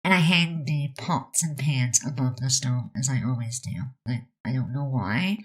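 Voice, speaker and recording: A woman's voice: a bass voice, moderate pace. A woman chatting casually over a building video, rambling with lots of fillers, her nose stuffed up. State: stuffed up, about to sneeze. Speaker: Sims builder narrating a speed build.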